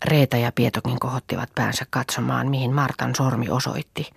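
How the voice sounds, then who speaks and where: A woman reading a novel aloud as an audiobook narrator, calm and measured. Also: a bass voice, creaky, husky, no room sound, clean studio sound. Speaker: audiobook reader.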